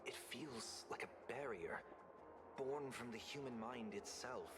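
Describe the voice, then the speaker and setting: A man voicing a solemn, courteous game character with polite, measured, articulate speech. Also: medium pitch, lightly acted. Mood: composed, solemn. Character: composed, courteous, solemn man who senses minds. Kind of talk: video game voice acting. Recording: clear background noise and ambience.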